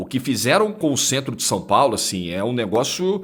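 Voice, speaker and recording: A man talks at a moderate pace. Vocal fry runs through his voice. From Rio de Janeiro, Brazil. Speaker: sports commentator. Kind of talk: casual Q&A monologue. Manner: animated.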